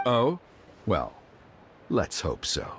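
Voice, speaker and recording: A man's voice: on the low side, huge pitch swings, extremely slow, very noisy, heavily acted. An actor voicing a stern, protective father and tribal elder in a video game, with a theatrical, somewhat pompous delivery. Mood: wary, guarded. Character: stern, overprotective father and proud tribal elder, quick to fluster. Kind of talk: video game character voice acting. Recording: background music under the voice.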